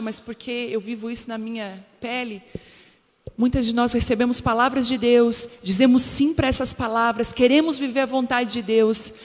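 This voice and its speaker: Female pastor preaching, reverberant hall. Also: a little high. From Brazil. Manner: preaching to women with personal stories, addressing the congregation directly. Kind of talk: sermon. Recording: long hall reverb with faint music.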